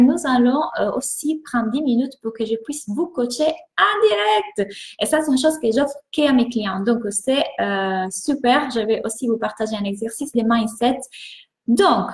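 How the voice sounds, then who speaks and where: A woman from Italy with an Italian accent, a mindset coach hosting a live stream, greeting viewers warmly and repeating words enthusiastically. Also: a little high, echoey room.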